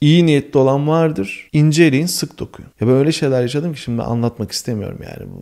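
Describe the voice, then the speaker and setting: Over a quiet background, a man talks at a very fast pace. His tone is dark and mellow, with ordinary pitch variation. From Turkey. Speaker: vlogger. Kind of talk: casual monologue vlog. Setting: home recording to camera. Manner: conversational, animated. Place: home room. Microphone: studio mic.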